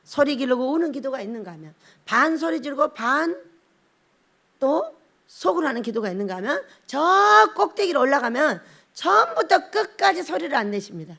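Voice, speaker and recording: A woman's voice: sits high, very animated, moderate pace, gravelly, bright, forceful tone. A woman pastor giving a blunt, scolding sermon and acting out little scenes as she preaches.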